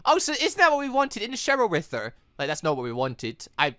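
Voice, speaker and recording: Animated, bright-voiced woman commentating on a game. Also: mid-range voice, brisk, no echo. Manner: animated, exclaiming reactions. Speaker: let's play host. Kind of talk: excitable video game commentary, reading dialogue aloud.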